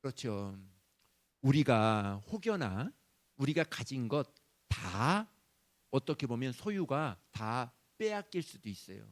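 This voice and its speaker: A male pastor preaching a Sunday sermon, animated, acting out prayers in a raised voice. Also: medium pitch, slow. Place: church sanctuary.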